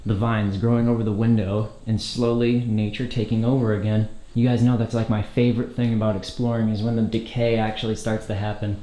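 A young man vlogging casually as he explores an abandoned house, talking excitedly to viewers in slangy speech on a handheld camera. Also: on the low side, a little fast, few pauses. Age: young adult. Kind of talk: casual walkthrough narration. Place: empty abandoned house, large indoor rooms. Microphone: handheld action camera. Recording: echoey empty rooms.

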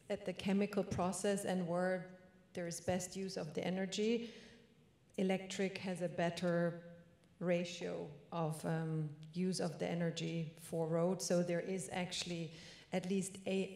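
A woman executive answers on a panel in a low, even voice with little rise and fall. Her tone is dark and relaxed, and she talks directly with many restarts. The room adds a roomy echo. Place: conference stage. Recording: roomy hall sound.

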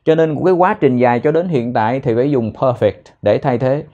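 A young man with a mellow, mid-range voice teaches spoken English casually, explaining phrases and repeating words slowly so learners can copy them. The audio sounds dull.

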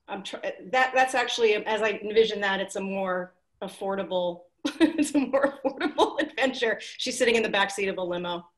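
A woman playwright talking about her work on a video call, soft and thoughtful, letting sentences trail off. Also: mid-range voice, fairly quick. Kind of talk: casual discussion on a video call. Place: home room, indoors. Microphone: webcam on a video call.

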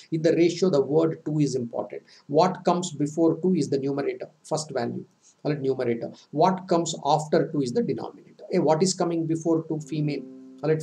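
Fast-talking male teacher. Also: fairly high pitch, gravelly, dark tone. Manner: rhetorical questions, emphatic and repetitive. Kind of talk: live online exam-prep lecture.

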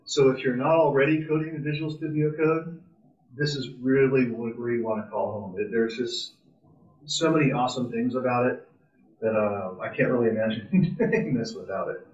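A man with a mid-pitched voice walks through code live in a casual, enthusiastic way, thinking aloud as he goes. He sounds some way from the microphone in a roomy, echoing space. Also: moderate pace, a little mellow. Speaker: presenter at a robotics club meetup. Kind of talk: informal live coding tutorial. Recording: distant, roomy, muffled meeting-room sound.

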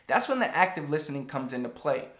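A man in his thirties giving a casual, animated lesson to the camera in a small room. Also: fairly high pitch, fast talker, roomy sound. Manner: animated, gestures a lot while talking. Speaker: language teacher. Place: small plain room indoors.

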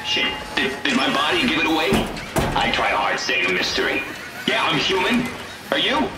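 An actor playing a sarcastic, irritable worker trapped in a robot in a video game. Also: male voice, on the high side, wildly swooping pitch, normal speed. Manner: sarcastic, exasperated. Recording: echoey, loud music underneath.

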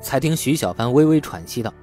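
A man's voice: mid-range voice, expressive, fairly quick, mellow, soft background music. A man reading scripted, dramatic story narration as an audiobook narrator.

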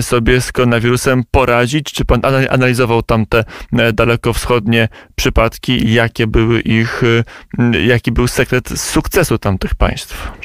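A male radio host asking a guest questions in a measured way, pausing on drawn-out hums. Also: medium pitch, smooth, no room sound, studio quality.

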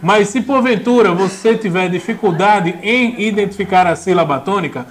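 Young guy from the northeast teaching a class, high voice, jokes around and does voices. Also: moderate pace. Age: young adult. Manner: jokey and animated, acts out voices. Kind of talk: classroom lecture.

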